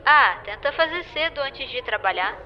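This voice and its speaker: Brief: a woman as a sulky young woman on the phone, very high-pitched, dull muffled sound. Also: expressive, normal speed. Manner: curt, passive-aggressive. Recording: muffled intercepted call audio.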